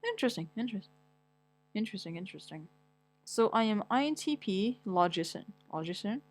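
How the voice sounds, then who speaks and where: A woman's voice: mid-range voice, expressive, brisk. A young woman from Morocco chatting casually as a vlogger, rambling and blunt, swearing often as she reads things aloud and reacts to them. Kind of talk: casual chat, reading aloud.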